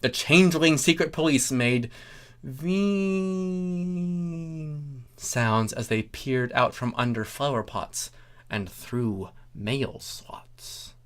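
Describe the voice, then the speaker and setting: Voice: medium pitch, takes it slowly. A narrator reading a comic story dramatically, with theatrical delivery and wry asides to the listener. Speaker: fan fiction reader. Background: loud music under the reading.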